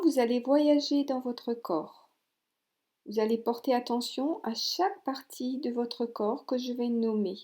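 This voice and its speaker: A woman leads a guided meditation in a soft, relaxed tone with a fairly high voice. She speaks very slowly and gently, leaving pauses between short instructions, as a soothing yoga teacher would.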